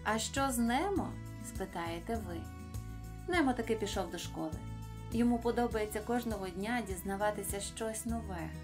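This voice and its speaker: A woman reading a children's storybook aloud in a gentle, expressive way. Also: mid-range voice.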